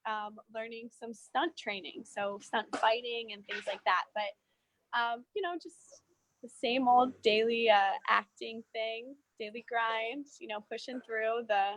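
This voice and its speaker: A woman actress, originally from Mexico and raised in Ohio, chatting warmly as a guest from a park outdoors. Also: fairly high pitch, steady tone, measured pace, slight background noise, low-quality recording. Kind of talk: casual interview chat.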